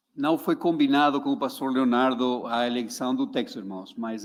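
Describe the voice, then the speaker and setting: A man with a non-native accent, at a moderate pace. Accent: foreign accent in Portuguese. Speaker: pastor. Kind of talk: sermon. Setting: church. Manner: halting.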